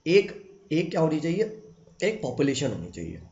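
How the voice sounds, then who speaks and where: A male teacher giving an online exam-prep lecture, mixing English phrases into Hindi, asking rhetorical questions and repeating phrases, then dropping low and quiet for the answers. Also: wildly swooping pitch, normal speed. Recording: echoey, dull lo-fi room recording.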